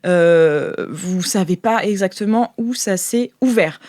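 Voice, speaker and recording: A woman runs a tabletop role-playing game. Her voice sits at a medium pitch in a very dry recording. She builds scenes haltingly, inventing as she goes. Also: a little mellow, no room sound. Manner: hesitant, improvising as she describes scenes. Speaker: game master.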